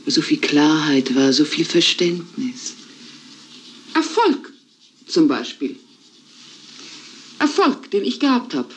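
An actress playing a wounded, self-dramatizing woman in film melodrama, with a hammy, theatrical stage delivery and drawn-out words. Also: sits low, big pitch swings, exaggerated voice. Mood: anguished, wistful. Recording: noisy old film soundtrack.

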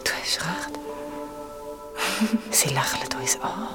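A woman's voice: slow pace, in a whisper, natural voice. A woman voicing a frightened young woman with a Swiss German accent, pleading and breathless. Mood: fearful. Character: frightened young woman waking beside a ghost. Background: music.

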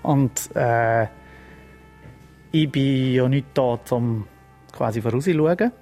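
A man's voice: medium pitch, slow pace, warm tone, soft background music. A man, an artist, talking casually and hesitantly in an interview, with many restarts. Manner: hesitant, full of fillers and restarts. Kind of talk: casual chat.

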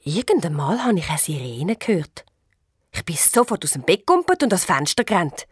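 Lively Swiss German woman storyteller. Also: fairly low pitch, normal speed, husky. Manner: lively, expressive storytelling with playful voices. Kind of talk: children's story reading.

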